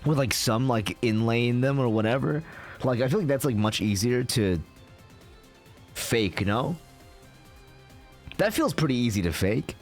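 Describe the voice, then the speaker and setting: Ranting young Canadian streamer. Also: male voice, mid-range voice, lively intonation, measured pace, pauses often, faint music behind. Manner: ranting, casual, swears often, many fillers. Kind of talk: casual live-stream chat.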